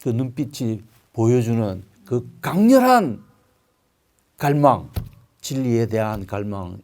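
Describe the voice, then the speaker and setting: An older male pastor preaching a sermon, telling stories with sudden loud, emphatic swells. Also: medium pitch.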